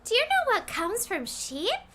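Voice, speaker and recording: A woman hosting a children's lesson, speaking to toddlers in simple phrases with encouraging prompts and pauses for answers. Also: extremely high pitch, huge pitch swings, background noise. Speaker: children's educational show host. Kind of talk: toddler lesson, talking directly to young children. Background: music.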